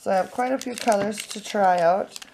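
A woman vlogger chatting excitedly at home as she unboxes craft supplies, with lots of fillers. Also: medium pitch, moderate pace, vocal fry, slight background noise, rough recording. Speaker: family vlogger. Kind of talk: casual unboxing chat. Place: home, indoors at a table.

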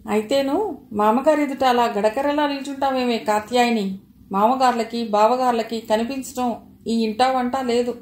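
A woman doing a harsh, bossy older mother-in-law in a storybook reading, barking orders and sneering with a highish, rising voice. The recording has a noticeable echo of the room around it. Every line comes out as a scolding. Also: fairly even intonation, moderate pace, lightly acted. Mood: scornful, angry. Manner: scolding, contemptuous, shouting.

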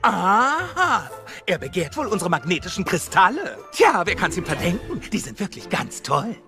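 A man's voice: sits high, huge pitch swings, normal speed, music in the background, exaggerated voice. An actor voicing a flaky, dreamy male llama guru who claims to be ageless, in a German audio drama.

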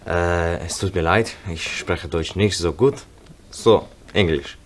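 Young croatian-accented guy, really low voice, thankful and kinda halting, faint hiss behind. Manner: grateful, halting, searching for words. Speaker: touring bass player. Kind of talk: casual video greeting to fans. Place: indoor backstage room.

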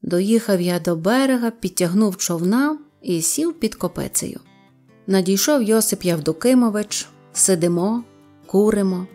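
A woman reading a humorous story aloud as a storyteller, lively and playful. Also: medium pitch, normal speed. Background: faint guitar music.

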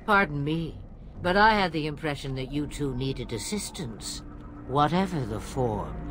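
Casting: elderly sardonic witch, low weathered voice, sweeping intonation, fantasy game, some background ambience. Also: animated, fairly bright tone, a little hiss or hum. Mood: sardonic, commanding. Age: older. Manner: theatrical, measured, wry. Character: old witch mother, sly, imperious, sardonic. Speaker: witch of the wilds.

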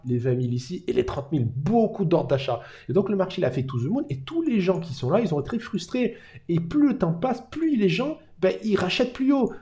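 Young male host, fairly high voice with a mellow tone, quick and excitable, chatty chart breakdown. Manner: fast, excitable, chatty, with English trading slang. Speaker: crypto market analyst, channel host. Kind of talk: casual chart analysis to viewers.

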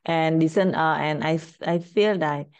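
A middle-aged woman with a Cambodian accent, a native Khmer speaker, teaching informally in halting, simple English. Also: deep voice, darkish tone, clean tone, no echo, lo-fi sound. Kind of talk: informal screen-share language lesson.

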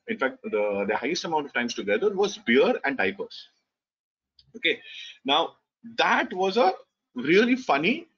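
A man's voice: a little high, fairly bright tone, husky. A man in his thirties with an Indian English accent, whose first language is Gujarati, giving an online business lecture, talking loosely with many fillers and restarts. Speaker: webinar lecturer. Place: indoor room, video call. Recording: slightly dull lo-fi call audio.

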